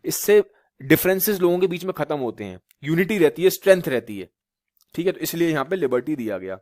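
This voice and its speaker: A man's voice: fairly high pitch, sing-song, a little fast, darkish tone, no echo, clean studio sound. Man teaching with rhetorical questions. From Uttar Pradesh, India. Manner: repetitive rhetorical questions, frequent "theek hai" checks. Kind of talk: classroom lecture in Hindi mixed with English.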